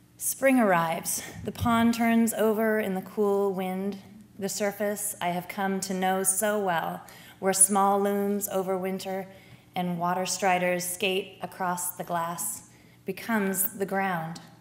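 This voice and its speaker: A woman speaks quietly at a very slow pace in a monotone, flat intonation. Audible room echo is present. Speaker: poet reading her own poems. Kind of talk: poetry reading on stage. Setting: stage with audience. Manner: slow, hushed, measured and tender; lyrical, expressive. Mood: calm, tender. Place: stage. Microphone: podium.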